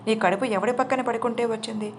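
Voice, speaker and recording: A woman's voice: a little high, fairly even intonation, fast talker, a little hiss or hum, natural voice. A woman voicing an angry, possessive young man who talks with biting scorn in a storybook reading. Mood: accusing.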